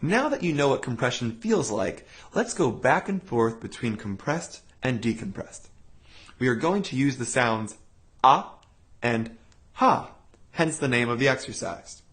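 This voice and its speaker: A man leads a voice lesson, explaining each exercise in a calm, clear, step-by-step way. His pitch moves around a lot as he talks. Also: normal speed. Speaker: voice teacher. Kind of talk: instructional voice lesson.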